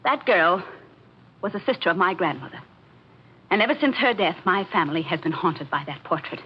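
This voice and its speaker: An actress playing an intense, insistent woman with an obsessive streak, dramatic and deliberate in 1940s radio mystery style. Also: lowish voice, lively intonation, slightly rough. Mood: imperious, obsessed. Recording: muffled old-time radio recording with music.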